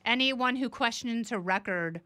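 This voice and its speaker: A woman guest-hosting a casual political podcast, quick and sarcastic with jokey asides. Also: a little high, pushed and bright, no echo. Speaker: guest host.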